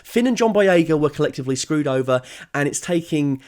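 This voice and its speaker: A man's voice: fairly high pitch, expressive, brisk, music in the background. A young man giving scripted opinion narration as a video essayist, conversational, opinionated and emphatic.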